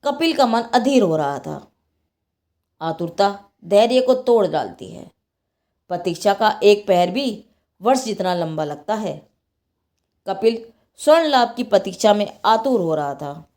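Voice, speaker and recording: A woman narrating a scripted moral religious tale in an expressive, dramatic storytelling manner. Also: medium pitch, unhurried.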